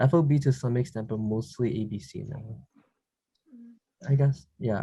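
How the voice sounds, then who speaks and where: A man's dark, mellow voice at medium pitch is somewhat breathy, with ordinary pitch variation. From US, moved from China at age five. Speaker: college radio host. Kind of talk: casual chat.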